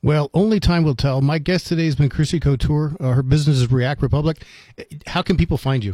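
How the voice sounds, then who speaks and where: On a very clean recording with a silent background, a man speaks fairly quickly at a fairly high pitch, his dark, mellow tone somewhat breathy and his pitch varying in an ordinary way. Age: 40s. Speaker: podcast host. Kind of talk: interview. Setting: studio, on camera.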